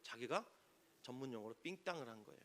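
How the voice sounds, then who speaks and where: Bright-voiced preaching pastor, a man. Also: medium pitch, expressive, fast, a little hiss or hum. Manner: preaching with dramatic swings from loud cries to near-whispers; acts out quoted voices in stories. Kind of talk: sermon.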